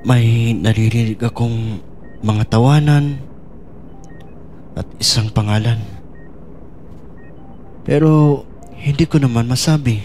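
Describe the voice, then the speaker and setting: A man acting a troubled character haunted by guilty memories in a Filipino audio drama, speaking in halting, brooding phrases. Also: medium pitch, darkish tone, natural voice. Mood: haunted, wistful.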